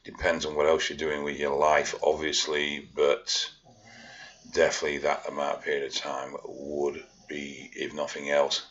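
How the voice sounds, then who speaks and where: Blunt deep-voiced Yorkshire man. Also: completely flat delivery, moderate pace, a bit bright, muffled recording. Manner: blunt, swears freely, dry humour. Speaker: fitness and art vlogger. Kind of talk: casual chat to viewers. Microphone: own vlog mic.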